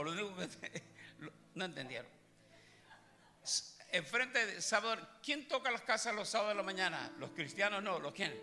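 A man preaching a comic sermon as pastor, joking and teasing his congregation. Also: sits high. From Puerto Rico. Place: large church hall. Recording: live church hall with music. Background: music playing.

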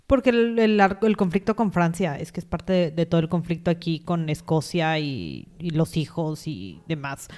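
A woman's voice: deep voice, lively intonation, darkish tone. Playful woman co-host chiming in. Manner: reactive, quick gasps and playful comments. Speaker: podcast co-host. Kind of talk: casual chat.

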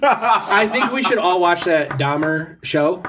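A man's voice: sits high, lively intonation, takes it slowly, bright, forceful tone, a little hiss or hum. A man co-hosting a casual podcast chat, crude and jokey, rambling with lots of fillers. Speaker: podcast co-host.

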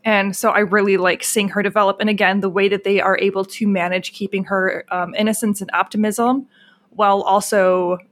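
A woman co-hosting a casual show, chatting about TV episodes in a relaxed, conversational way. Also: mid-range voice, fairly quick. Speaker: podcast co-host. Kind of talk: casual chat reviewing TV episodes.

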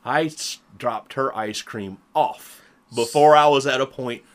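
A man's voice: medium pitch, unhurried. A man, telling funny stories on a podcast and laughing often. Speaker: podcast co-host. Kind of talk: casual storytelling chat.

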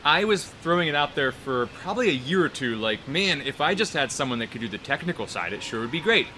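Enthusiastic man guest with a bright, forceful voice. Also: fairly high pitch, sing-song, fast, a little hiss or hum. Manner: enthusiastic, says "yeah" a lot. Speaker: podcast co-host, guest. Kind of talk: casual interview chat.

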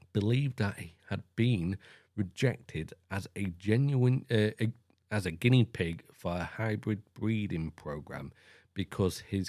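A man's voice: on the low side, darkish tone, dry recording, clean studio sound. A man hosting a podcast, reading an account aloud and breaking in with blunt, swearing asides. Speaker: podcast host. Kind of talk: casual reading with commentary.

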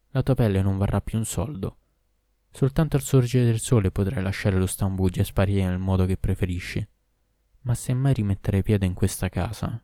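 A man reading aloud who voices a menacing male ifrit, speaking loud and gruff threats. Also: lowish voice, no echo, studio quality, natural voice. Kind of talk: audiobook reading.

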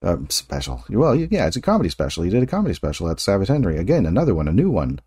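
A man's voice: low-pitched, huge pitch swings, racing, warm tone, husky, dry recording. A man in his late forties hosting a casual interview, talking in a rambling, self-correcting way with frequent laughs. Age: 40s. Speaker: podcast host.

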